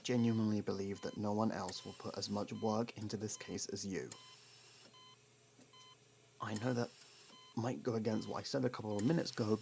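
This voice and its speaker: Man acting a low, gravelly, guarded convict. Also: a little mellow, a little hiss or hum. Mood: guarded, reluctant care. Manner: defensive, hesitant, sardonic, with stammered denials. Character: gruff, guarded convict partner secretly fond of a detective. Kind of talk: intimate ASMR audio roleplay acting.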